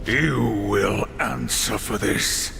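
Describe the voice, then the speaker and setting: An actor playing a grim, merciless horseman warrior in a video game, stern and terse with a gravelly growl. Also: lowish voice, extremely slow, a loud crowd, exaggerated voice. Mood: stern accusation. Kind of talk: solemn video game hero acting. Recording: loud music under the voice.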